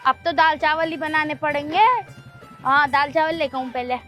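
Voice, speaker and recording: A woman's voice: high-pitched, fairly even intonation, normal speed, over loud music, lightly acted. A woman playing a lazy, whining village sister-in-law in a comedy skit. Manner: whining, complaining.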